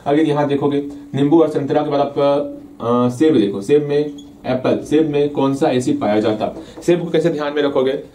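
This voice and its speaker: A man's voice: on the high side, normal speed, mellow, a little hiss or hum. A man teaching a casual revision lesson, playfully repeating key terms and asking and answering his own questions. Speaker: science teacher.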